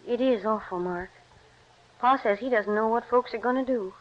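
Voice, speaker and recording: A woman's voice: on the high side, moderate pace, close to an everyday voice. An actress playing a spirited young woman teasing her sweetheart in a 1940s radio play. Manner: teasing and warm. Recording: muffled old radio recording.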